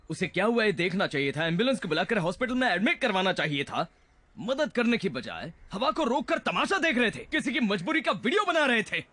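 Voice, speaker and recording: A man playing a righteous young hero in a dubbed film who lectures onlookers and warns off bullies, over loud film music. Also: sits high, dry recording, full character voice. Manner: preachy, scolding speeches. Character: righteous young male hero, bold protector. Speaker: hero who rebukes onlookers and defends a woman.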